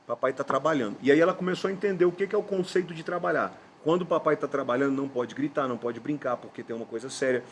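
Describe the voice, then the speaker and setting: Brazilian male podcast host, middle-aged, fairly high voice, emphatic teacher delivery, faint hiss behind. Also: steady tone. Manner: explanatory, storytelling with emphatic slow stresses. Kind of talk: casual podcast chat.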